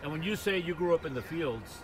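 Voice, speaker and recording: A man's voice: fairly high pitch, lively intonation, brisk. Man interviewing over street noise. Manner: warm and admiring, with frequent filler "uh". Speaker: podcast host. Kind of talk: conversational interview. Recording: outdoor traffic noise.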